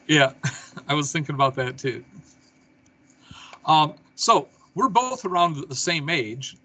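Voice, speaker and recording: A man's voice: a little high, expressive, slow, pushed and bright. A middle-aged man hosting an online talk show, speaking in an easygoing, friendly way. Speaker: show host.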